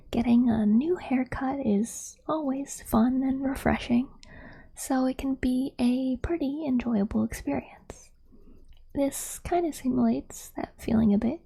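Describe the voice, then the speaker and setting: A woman doing an ASMR roleplay in a gentle, reassuring, breathy whisper, speaking softly and slowly close to the microphone. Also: high-pitched. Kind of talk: soft-spoken ASMR roleplay.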